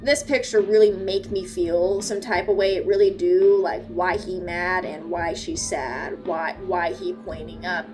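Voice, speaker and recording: A woman's voice: fairly low pitch, steady tone, measured pace, few pauses, a little mellow. A woman giving casual, joking video-essay commentary with a sarcastic, slangy delivery and mock-dramatic asides. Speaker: host of an analog horror analysis video. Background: background music.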